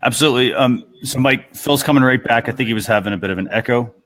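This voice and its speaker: A man hosting a casual panel discussion, talking a little haltingly as he thinks aloud. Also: medium pitch, a bit bright. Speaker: talk show host.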